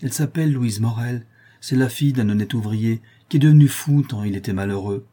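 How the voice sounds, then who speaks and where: A man's voice: medium pitch, brisk, slightly rough, lightly acted. A man reading an audiobook aloud, voicing a cheerful, talkative young Parisian seamstress. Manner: lively, affectionate, talkative.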